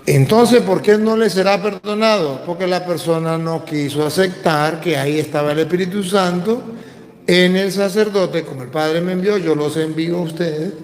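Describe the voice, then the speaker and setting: A man's voice: high voice, moderate pace. A man with a Venezuelan accent, a Catholic priest teaching and answering questions in a didactic, emphatic way, repeating phrases for stress. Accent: Venezuelan Spanish. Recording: echoey hall with long reverb.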